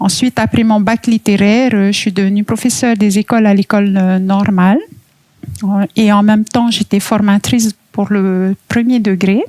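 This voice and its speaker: With a Tahitian accent, a woman speaks at a moderate pace in a medium pitch and fairly even intonation. The sound is dry and close, with no echo. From French Polynesia, Raiatea. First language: Tahitian (speaking French). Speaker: author and Tahitian language teacher. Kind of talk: radio interview.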